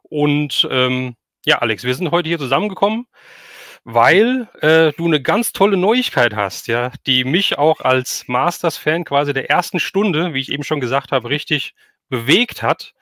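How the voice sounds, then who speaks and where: A man's voice: fairly high pitch, lively intonation, moderate pace, pushed and bright, no room sound, clean studio sound. A man speaking as a livestream host in a casual, chatty and enthusiastic way while interviewing a guest.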